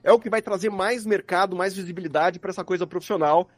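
Higher-pitched Brazilian man in casual conversation. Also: fast, no room sound. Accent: Brazilian Portuguese. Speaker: podcast guest, audio drama producer. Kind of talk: casual live interview chat.

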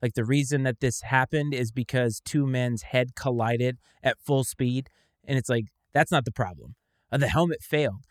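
A man's voice: medium pitch, normal speed, no echo, clean studio sound. A man in his forties co-hosting a sports talk show, making wry, argumentative points in casual chat. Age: 40s.

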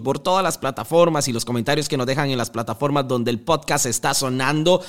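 An energetic young man with a Costa Rican accent hosts a casual podcast. His voice sits a touch high for a man, and he talks in a restless, upbeat way, laughing at his own jokes. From Costa Rica. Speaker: podcast host.

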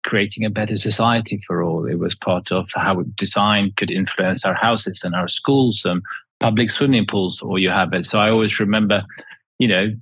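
A man from Sweden, a guest architect talking reflectively in an interview, sometimes pausing to find words. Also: lowish voice, fairly even intonation, fairly bright tone, slightly rough, no echo, rough recording. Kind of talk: casual interview talk.

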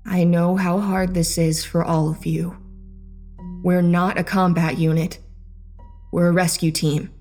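A man voicing a calm, commanding female squad leader in a horror story read over soft music. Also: high-pitched, unhurried, long pauses, pitched above the performer's own voice. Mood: reassuring. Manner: steady, reassuring, matter-of-fact orders.

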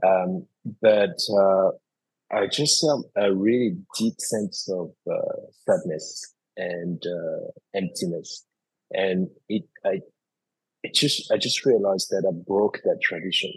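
A man from France, a cooking school founder, telling his story as a podcast guest, halting with many fillers and restarts. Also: deep voice, breathy edge, no room sound, low-quality recording. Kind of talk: casual interview storytelling.

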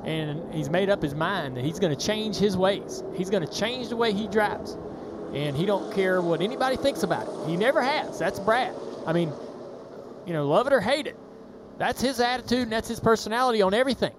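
A man's voice: high voice, animated, brisk, very noisy. A man working as a racing analyst, talking emphatically and rising when he stresses a point. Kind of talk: studio commentary panel.

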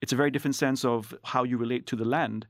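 A man from Singapore, an anthropologist, giving thoughtful, measured answers in an interview. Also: mid-range voice, fairly even intonation, no room sound, clean studio sound. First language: English. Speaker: guest, anthropologist. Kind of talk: reflective interview talk.

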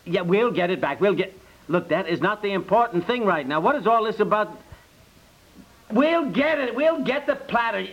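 A blustery middle-aged husband with a somewhat high voice. He sputters and stammers in old radio comedy fashion. The recording is muffled, like a 1950s broadcast. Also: animated, normal speed. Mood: flustered, impatient.

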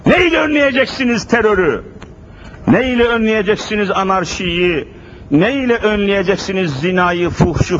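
High-voiced man preaching at a pulpit mic. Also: a bit bright. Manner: emphatic, repetitive rhetorical questions. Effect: speaking at a pulpit microphone. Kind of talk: sermon. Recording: dull lo-fi recording with faint hiss.

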